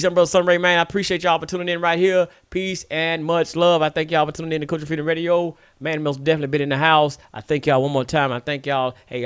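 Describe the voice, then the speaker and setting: A man's voice: medium pitch, fairly bright tone, no echo. A man from the United States with an African American Vernacular English accent, hosting a radio show and delivering an impassioned, scolding monologue. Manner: preachy, scolding, repetitive emphasis.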